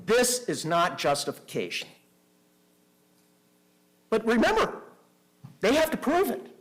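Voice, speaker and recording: A man's voice: high voice, huge pitch swings, takes it slowly, fairly bright tone. A man speaking as a prosecutor to a jury, making an opening statement in emphatic, repeated phrases. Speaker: prosecuting attorney.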